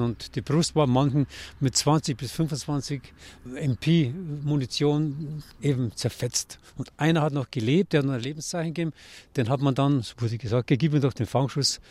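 A man's voice: a little high, darkish tone. Older man, grave eyewitness testimony. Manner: grave, plainspoken. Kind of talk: interview testimony.

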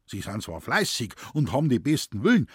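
A man's voice: medium pitch, huge pitch swings, a little fast, slightly rough, dry recording, clean studio sound. A man voicing a grumbling old Bavarian forest warden in broad dialect, speaking raised and flustered. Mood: exasperated.

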